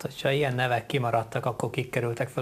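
A man speaks with monotone, flat intonation. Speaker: sports show host. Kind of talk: sports talk show. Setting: studio. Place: studio. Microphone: lapel.

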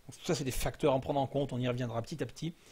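Somewhat breathy and at a medium pitch, a man rattles off his words at a very fast pace. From France, Corrèze (Tulle); France. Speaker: gaming video creator. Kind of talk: game tutorial and commentary. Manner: hesitant, many fillers. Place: home room. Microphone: headset.

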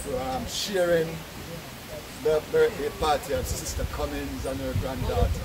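A man at a moderate pace with a Jamaican accent, over noticeable background noise. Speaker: church elder; guest. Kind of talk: prayer. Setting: birthday party gathering. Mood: warm, joking, celebratory. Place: garden. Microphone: phone near.

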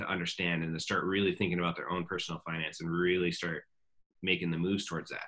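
A man with an American accent and a very deep, low pitch speaks at a very fast pace in a bright, sharp tone against a quiet background. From upstate New York. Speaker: podcast co-host. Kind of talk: casual interview chat. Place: home room. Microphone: studio mic.

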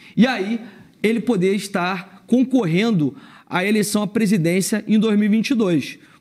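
A man's high-pitched voice at a fairly slow pace, against a quiet background. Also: ordinary pitch variation. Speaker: politician interviewee. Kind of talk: angry rant. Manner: indignant, emphatic, insistent; repetitive, stumbling with restarts. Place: studio. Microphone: lapel.

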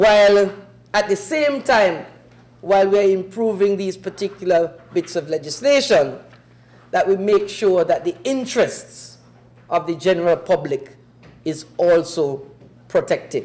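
With long, frequent pauses, a man speaks at a fairly slow pace. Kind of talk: parliamentary speech. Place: hall.

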